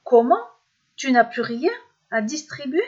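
A solemn male titan of myth with a vibrant voice, as a woman storyteller puts him on. He speaks slowly and gravely, in a fairly high register, like a creator addressing his creation. The storybook recording sounds dull and lo-fi. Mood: alarmed.

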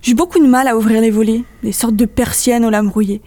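A woman reading aloud her own eerie first-person story, with measured storytelling. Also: fairly high pitch, fairly even intonation, warm tone.

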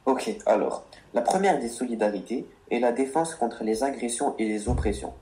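A man's voice: medium pitch, animated, moderate pace, dark tone. A man co-hosting a radio show about words, reading earnest explanations and answering teasing with mock exasperation. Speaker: co-host of a word radio show.

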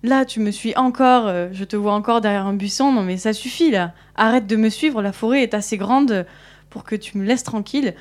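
A woman's voice: on the high side, normal speed, dark tone, natural voice. A woman voicing an annoyed little girl in a red hood, scolding and exasperated.

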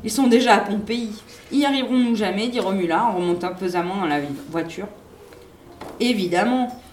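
A woman's voice: mid-range voice, fairly quick, darkish tone, roomy sound, a little hiss or hum, lightly acted. A woman voicing a fearful, superstitious older nurse who talks in a fussy, scolding way. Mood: grumbling.

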